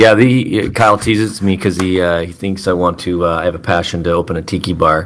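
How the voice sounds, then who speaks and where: A man with a very deep, low pitch and an American accent talks at a moderate pace with hardly any pauses, over noticeable background noise. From United States. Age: 50s. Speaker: podcast co-host, entrepreneur. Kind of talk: casual chat.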